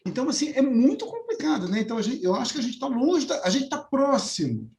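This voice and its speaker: A man's voice: very high voice, huge pitch swings, fast, a little mellow, reverberant. A man in a casual study group discussion, talking hesitantly with many restarts and tag questions.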